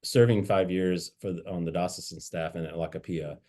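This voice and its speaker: A man's voice: deep voice, fairly even intonation, a little fast, mellow. A man, a bishop, reflectively telling anecdotes from his life in a conversational interview. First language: English. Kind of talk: interview storytelling.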